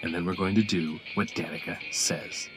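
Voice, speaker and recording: An actor plays a resolute male schemer with a very deep voice. He talks in clipped, controlled menace, in the manner of an audio drama, over prominent music. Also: fairly even intonation, normal speed, natural voice. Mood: cold, resolute. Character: cold, resolute male conspirator plotting a trap. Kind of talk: full-cast audio drama acting.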